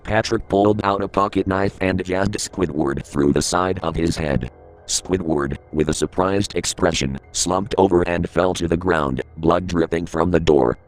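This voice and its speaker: A man narrating a creepypasta horror story in a steady, grave reading voice. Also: sits low, a little slow, faint music behind.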